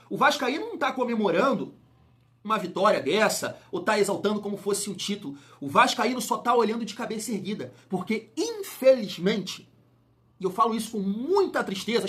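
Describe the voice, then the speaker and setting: Fired-up Rio man with a bright voice. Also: high-pitched. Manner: emphatic, fired-up, rhetorical questions. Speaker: football fan channel host. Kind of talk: casual vlog commentary.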